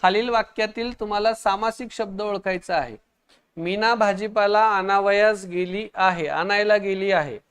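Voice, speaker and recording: Guy teaching exam prep online, highish voice, really clean tone, keeps quizzing viewers and saying answer fast. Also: fairly bright tone, smooth. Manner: quizzing viewers, urging quick answers, praising comments.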